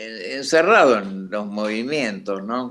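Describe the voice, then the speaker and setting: A man is speaking. His pitch is fairly low. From Argentina. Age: 70s. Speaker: psychoanalyst. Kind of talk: interview. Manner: halting.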